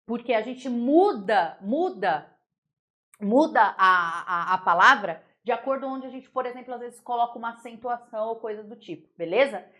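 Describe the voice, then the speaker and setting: A young woman with a Brazilian Portuguese accent teaching a casual exam-prep grammar lesson, chatty and animated, often checking that her students follow. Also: a little high, moderate pace.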